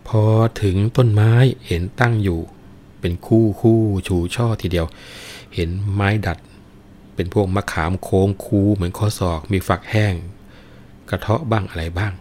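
Deep-voiced man retelling a folk tale. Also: moderate pace, darkish tone, a little hiss or hum. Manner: polite, explanatory, adds sentence-final particles. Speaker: storyteller. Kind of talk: storytelling with commentary on verses.

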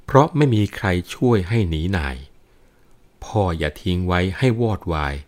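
A man reciting classical narrative verse in a melodic, drawn-out chant, stopping now and then to explain the story in plain speech. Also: sits low, very animated, darkish tone. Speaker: reciter and teacher of classical poetry.

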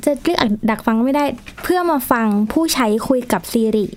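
A woman's voice: a little high, lively intonation, moderate pace, darkish tone. A woman co-hosting a radio news discussion, explaining stories at length with polite particles. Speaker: co-host.

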